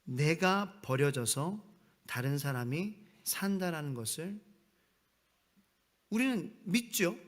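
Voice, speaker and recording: A man's voice: a little high, animated, takes it slowly, pauses often. A man preaching a midweek evening sermon as pastor, reading scripture and acting out mocking voices of the crowd. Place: church sanctuary. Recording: long church hall reverb.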